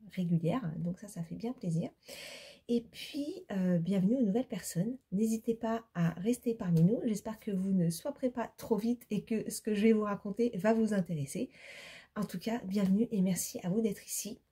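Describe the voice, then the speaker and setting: A woman's voice: mid-range voice, mellow, slightly rough. A middle-aged woman from France chatting casually to camera in a knitting vlog, rambling with many fillers, tired and still congested after laryngitis. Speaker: knitting vlogger.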